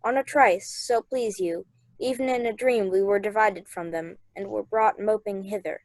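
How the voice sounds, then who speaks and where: A woman's voice: mid-range voice, normal speed, darkish tone, no room sound, lightly acted. A woman playing an earnest, amazed ship's sailor in a Shakespeare radio play.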